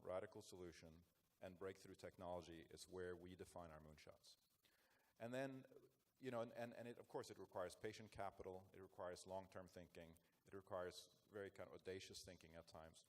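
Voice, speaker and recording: A man's voice: low-pitched, brisk. A man, answering as a conference panelist in a reflective, earnest way. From Norway. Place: conference stage.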